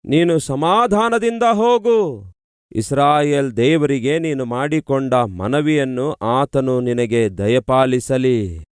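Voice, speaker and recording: Preacher as old priest Eli, blessing slowly. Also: male voice, mid-range voice, clean tone, no echo, clean studio sound, voice pushed down, close to an everyday voice. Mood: reassuring.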